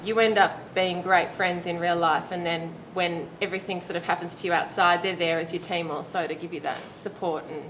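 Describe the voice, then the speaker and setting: A woman's voice: fairly low pitch, steady tone, a little fast, few pauses, a bit bright. A woman in her late thirties, a roller derby player chatting in an interview and laughing now and then. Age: 30s. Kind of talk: casual interview answers. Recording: noisy background.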